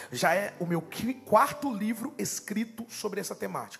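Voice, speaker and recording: Lively intonation marks this man's animated tone. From Brazil, Goiás. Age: 30s. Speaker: pastor. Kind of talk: sermon. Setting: church.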